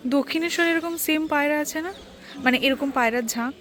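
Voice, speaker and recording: A woman chats to her viewers in a casual vlog, her voice sitting a little high. She talks directly to the audience. The outdoor temple recording carries a steady hiss of noise. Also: a little fast. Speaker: vlogger.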